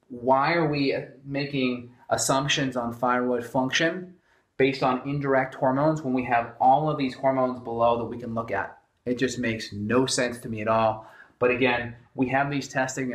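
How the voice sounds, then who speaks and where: A man's voice: mid-range voice, a bit bright, reverberant. A man, a functional medicine doctor, explaining thyroid lab tests at a whiteboard and often starting with "so again". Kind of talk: whiteboard health lesson.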